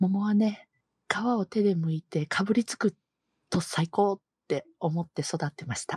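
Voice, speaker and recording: The voice is somewhat breathy, with ordinary pitch variation and a fairly slow pace. The sound is dry and close, with no echo. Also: woman, medium pitch for a woman. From Hiroshima, Japan. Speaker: podcast host. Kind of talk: casual chat. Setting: at home near a window.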